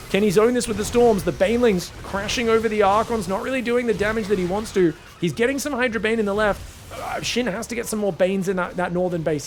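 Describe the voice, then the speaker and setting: Man, esports caster, high voice, energetic, casual slang, excited commentary. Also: a little hiss or hum. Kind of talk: excited live game commentary.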